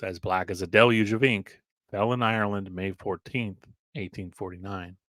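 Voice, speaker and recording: A man with a fairly deep voice narrates archival writing in a dramatic read-aloud style. He moves deliberately from phrase to phrase, pausing for emphasis and now and then tripping on a word. The sound is dry, with little room around the voice. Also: bright, forceful tone, no echo. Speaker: narrator reading an old newspaper article aloud.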